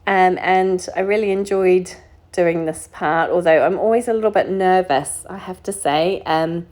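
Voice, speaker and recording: Middle-aged New woman, low-pitched, relaxed chatty crafter voice-over, easygoing. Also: unhurried. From New Zealand. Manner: chatty and relaxed, with frequent ums and small laughs. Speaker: card-making crafter. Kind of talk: casual voice-over narration while colouring. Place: home craft desk.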